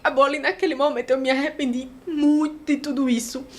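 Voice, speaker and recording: A woman's voice: sits high, quick pace. Brazilian woman telling a vivid personal story. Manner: animated storytelling, acting out other people's lines. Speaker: guest giving a testimony.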